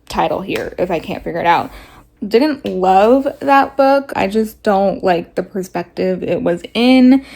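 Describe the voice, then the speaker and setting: Stuffy, rough-voiced young woman vlogging. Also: medium pitch, darkish tone. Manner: rambling, lots of "like" fillers. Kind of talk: casual chat to camera.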